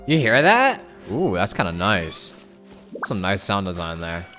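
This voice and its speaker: Animated man live-commenting a game. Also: low-pitched, unhurried. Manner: slangy, reacting off the cuff. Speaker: game livestreamer. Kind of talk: casual live commentary while gaming. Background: game music and sound.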